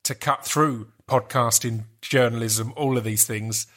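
A man's voice: medium pitch, steady tone, a little slow, fairly bright tone. A man with an Essex accent hosting a casual, conversational podcast interview. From Essex, England. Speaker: podcast host.

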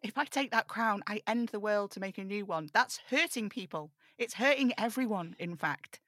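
Woman doing a prickly young guy radio host w magic powers, sarcastic audio drama read, mid pitch, no room sound. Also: moderate pace, fairly bright tone, no room sound, lightly acted. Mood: sarcastic, guarded. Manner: snappish, sarcastic, exasperated. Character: defiant, burdened young male radio broadcaster with magical powers.

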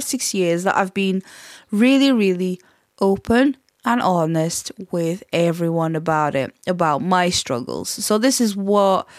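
A woman's voice: medium pitch, clear, resonant tone, no room sound, clean studio sound. A woman from Portugal with a Portuguese accent and a slight Yorkshire twang, hosting a casual solo podcast in a chatty, rambling way with many fillers and restarts. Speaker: podcast host.

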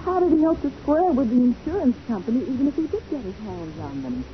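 A woman's voice: fairly high pitch, sing-song, fast talker. A woman playing an inquisitive, eager detective's secretary in a 1940s radio drama, with a curious, reactive manner. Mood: surprised, curious. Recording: muffled, noisy 1940s radio recording.

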